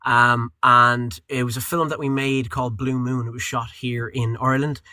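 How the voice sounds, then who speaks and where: A man's voice: medium pitch, flat delivery, normal speed, pushed and bright, dry recording, clean studio sound. A man working as a voice actor and narrator, chatting casually in an interview, rambling with many fillers and restarts.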